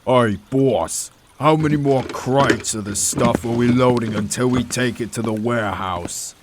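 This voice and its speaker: A man doing an obedient, lowish-voiced henchman. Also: unhurried, background noise, natural voice. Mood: dutiful. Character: obedient male henchman labouring for a crime boss. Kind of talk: amateur audio drama acting.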